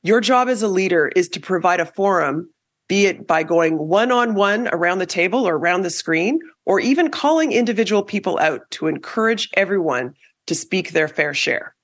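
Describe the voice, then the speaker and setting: A woman host talks listeners through communication advice with a lively, emphatic coaching delivery. Her voice sits on the low side and swoops up and down a great deal as she stresses her points. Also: moderate pace. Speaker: podcast host. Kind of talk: scripted advice talk.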